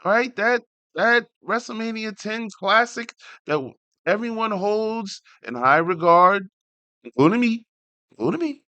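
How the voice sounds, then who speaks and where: A man hosting a casual read-along, reading an article aloud and breaking in with animated asides of his own. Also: high-pitched, a little slow, no room sound, highs cut off. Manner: animated asides, interrupts himself while reading. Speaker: host reading a wrestling article aloud with commentary.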